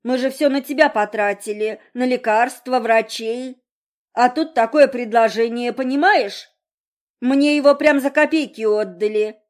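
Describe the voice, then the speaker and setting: A woman's voice: on the high side, a little slow, voice pushed up, natural voice. A woman voicing a poor, guilty father who rambles and makes excuses. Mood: pleading. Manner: rambling, pleading, excuse-making.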